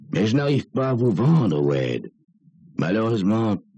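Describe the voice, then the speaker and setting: A man with a fairly low voice makes very wide pitch swings. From France. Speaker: voice actor and actor. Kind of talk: radio crime story narration. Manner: polite, gently firm agent speaking to an actor.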